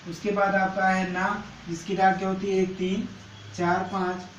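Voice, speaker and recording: A man's voice: sits high, completely flat delivery, normal speed, dull audio. A male teacher giving a Braille lesson. He asks the pupils each question and then repeats the question and its answer. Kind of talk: classroom lesson. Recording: echoey room, mic at a distance, faint hiss.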